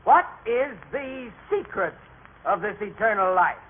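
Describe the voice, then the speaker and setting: Radio drama heckler: a clever, sneering lawyer, drawling slowly, on a tinny old recording. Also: male voice, high voice, lively intonation, breathy edge, heavily acted. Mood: mocking. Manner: mocking, theatrical, drawn-out delivery. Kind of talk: vintage radio drama acting.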